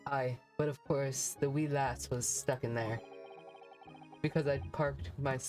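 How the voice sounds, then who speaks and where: Streamer putting on a self-righteous, folksy gentleman witness. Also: medium pitch, fairly even intonation, a little slow, faint music behind, natural voice. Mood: earnest, noble. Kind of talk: amateur game dialogue reading.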